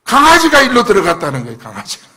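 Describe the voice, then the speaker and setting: A male pastor preaching a fervent sermon, swinging between loud shouted prayers and low asides. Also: wildly swooping pitch, rapid-fire. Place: church sanctuary.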